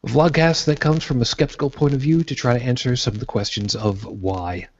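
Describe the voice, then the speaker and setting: A man's voice: medium pitch, dull audio. Blunt, profane New man hosting. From Brooklyn, New York. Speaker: host. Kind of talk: casual podcast hosting.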